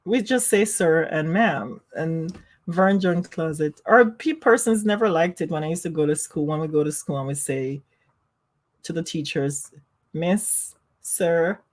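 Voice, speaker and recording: Speaking at a normal pace in a deep voice, a Jamaican-accented woman hosts a relaxed livestream where she reads viewers' comments and chats with them. She giggles a lot and often laughs at herself, poking fun at her own expense.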